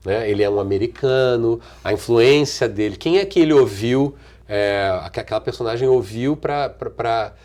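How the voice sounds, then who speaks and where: A middle-aged man with a Brazilian accent, an actor and singer answering interview questions thoughtfully, with restarts, trailing pauses and frequent chuckles. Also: lowish voice, darkish tone. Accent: Brazilian Portuguese. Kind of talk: relaxed conversational interview answers.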